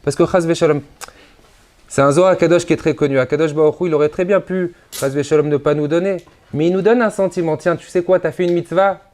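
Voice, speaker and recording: A man, a rabbi, giving a conference sermon with emphatic rises and drops, mixing Hebrew religious terms into his speech. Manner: emphatic preaching, sudden rises and drops in pitch and loudness.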